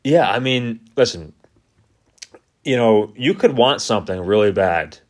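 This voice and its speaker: A young man talking on a casual podcast with a fairly low voice. He speaks in a reflective, easygoing way and often fills with "you know". His talk turns to faith and letting things go. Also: lively intonation, measured pace. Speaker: podcast co-host. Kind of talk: casual chat.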